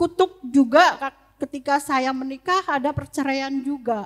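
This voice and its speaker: A woman speaks in a high voice at a fairly slow pace. The background is quiet. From Yogyakarta, Indonesia; Indonesia. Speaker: audience member sharing problem; audience member. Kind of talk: personal testimony. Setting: stage with audience. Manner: halting. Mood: earnest, troubled personal story. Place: hall. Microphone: handheld.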